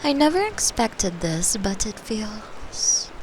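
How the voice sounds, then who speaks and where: A woman performs a gentle being from another dimension, lonely and tender, in a comforting ASMR roleplay. Her words come extremely slowly, breathy and soft, often sinking into whispers. A faint rain-like ambience sits behind the voice. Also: mid-range voice, sing-song, noisy background. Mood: affectionate, soothing.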